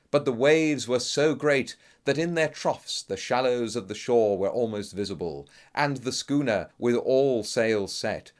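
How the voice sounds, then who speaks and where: A man narrating a classic Gothic tale in a theatrical, grave and suspenseful manner, as a melodramatic audiobook reading. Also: mid-range voice. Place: recording studio.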